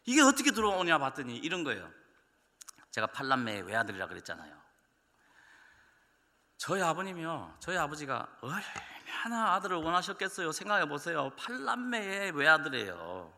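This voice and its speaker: Animated male pastor in a reverberant church. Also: a little high, moderate pace. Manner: animated storytelling, acting out voices. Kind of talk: sermon. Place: church sanctuary. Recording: long church hall reverb.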